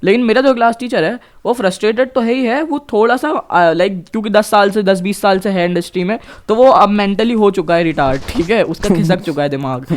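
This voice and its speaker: Young podcast co-host from Bhopal in his late teens, slightly high voice, animated and foul-mouthed storyteller. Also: fairly quick, few pauses. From Bhopal, India. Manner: profane, animated, mixes English phrases into Hindi. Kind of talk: casual storytelling chat.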